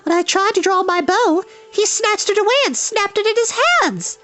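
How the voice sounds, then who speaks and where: A very high, fiery young princess. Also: expressive, bright, forceful tone, soft background music, exaggerated voice. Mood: indignant. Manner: indignant, quick, emphatic. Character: spirited young princess, bold. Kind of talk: audiobook character voice.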